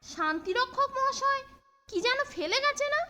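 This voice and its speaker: A woman voicing a cheeky, excitable little schoolboy prankster in a cartoon. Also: very high voice, moderate pace, exaggerated voice. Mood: gleeful. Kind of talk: cartoon dialogue. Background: loud music.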